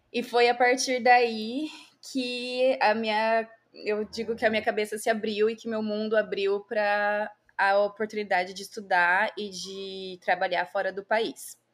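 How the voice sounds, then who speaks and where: Recorded very cleanly against a silent background, a woman speaks at a fairly slow pace and fairly high pitch, her intonation fairly even but her loudness swinging widely. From Brazil, interior of São Paulo state (São José do Rio Preto). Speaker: nurse. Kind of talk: casual interview.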